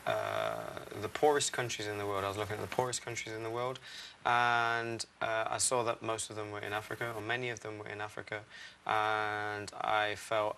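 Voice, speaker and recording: Low gravelly earnest man from Barbados. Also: bright, forceful tone, slight background noise. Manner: earnest, many "uh" pauses. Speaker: charity founder. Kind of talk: studio interview answers. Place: TV studio.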